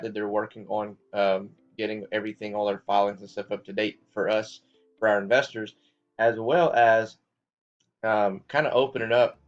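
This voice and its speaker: A finance channel host with a lowish voice gives casual market commentary to his viewers. He is loose and chatty, uses lots of fillers, and keeps checking in with "okay?", all over lo-fi sound.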